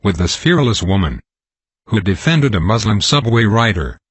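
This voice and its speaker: A man giving scripted narration between clips, measured, announcing each one. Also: lowish voice, big pitch swings, background noise.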